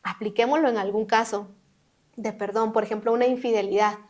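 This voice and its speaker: A woman's voice: mid-range voice, fairly even intonation, fairly quick, a little mellow. A woman hosting a Christian podcast, retelling a parable and urging listeners earnestly, in a preacherly way. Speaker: podcast host.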